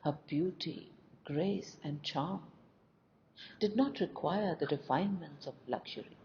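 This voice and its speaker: A woman narrating a scripted folk tale as an audio story, with deliberate, expressive delivery. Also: sits low. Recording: dull lo-fi recording with faint noise.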